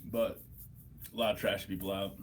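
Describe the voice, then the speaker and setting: Hungover American male streamer, slightly deep voice, loose profane chat, faintly noisy room. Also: flat delivery, brisk. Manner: profane, blunt, slangy. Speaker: livestream host. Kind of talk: casual livestream chat answering viewers' questions.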